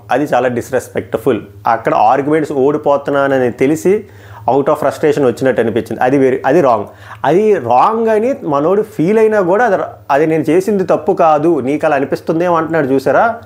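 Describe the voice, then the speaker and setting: A man's voice: fairly high pitch, darkish tone. A man giving opinionated live commentary on a reality show, firing rhetorical questions and mocking quotes.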